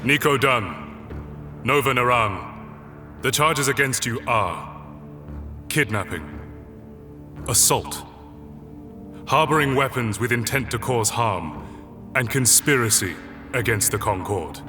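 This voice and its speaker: An actor playing a stern, controlled authoritarian leader who speaks in a measured, pompous, formal public-address manner. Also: male voice, mid-range voice, expressive. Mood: solemn, commanding. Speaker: presiding official. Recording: long hall reverb, faint music behind.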